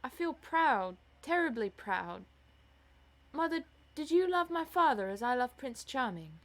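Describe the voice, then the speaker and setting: A woman's voice: high voice, sing-song, measured pace, fairly bright tone, voice pushed up, exaggerated voice. A woman voicing an ardent, dreamy young actress in love in an audiobook, with gushing exclamations. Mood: rapturous, proud. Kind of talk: audiobook character voice.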